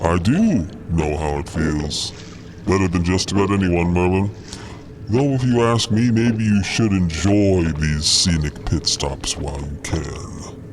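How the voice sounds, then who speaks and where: Over clear background noise, a man puts on a character voice with a very deep, low pitch at a fairly slow pace. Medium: audio drama. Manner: formal, eloquent, somewhat pompous.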